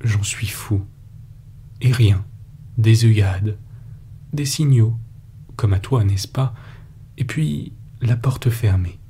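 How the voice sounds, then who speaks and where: A man's voice: on the low side, takes it slowly, long pauses, a little hiss or hum. A man voicing an agitated, lovesick young man who speaks vehemently, in a storybook reading. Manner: excitable, vehement.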